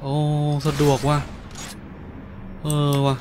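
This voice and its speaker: A man's voice: slow, a little mellow, a little hiss or hum. A man giving casual gameplay commentary, full of coarse slangy exclamations and talk aimed at enemies. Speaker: gaming YouTuber. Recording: game music behind the voice. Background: video game music and sounds.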